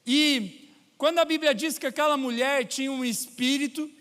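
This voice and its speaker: Brazilian male pastor, very high bright voice, joking sermon in a reverberant church hall. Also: normal speed. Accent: Brazilian Portuguese. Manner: lively and joking with the congregation.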